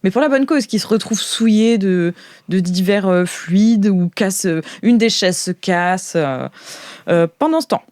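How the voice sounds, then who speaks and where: A woman's voice: mid-range voice, expressive, measured pace, darkish tone, dry recording, clean studio sound. A woman running an improvised role-play as game master, colloquial, hesitant and prone to exclaiming.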